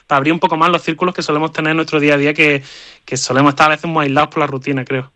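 A man's voice: fairly high pitch, flat delivery, very fast, sharp tone, no echo. A man, a band member giving enthusiastic, rambling answers in a radio interview.

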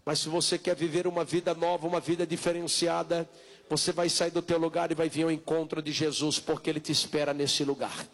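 Male Brazilian evangelical pastor, high-pitched voice, insistent and repetitive altar-call delivery with drawn-out words. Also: flat delivery. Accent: Brazilian Portuguese.

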